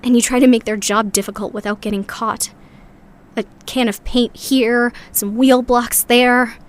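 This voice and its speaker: Actress doing weary loyal young woman in a sci-fi audio drama, highish voice, earnest and reflective. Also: steady tone, unhurried, natural voice. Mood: weary, resigned.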